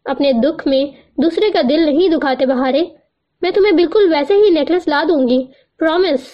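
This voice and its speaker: A woman voicing a firm, caring young heroine who speaks with calm, earnest reassurance. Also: high-pitched, natural voice. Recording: muffled lo-fi recording.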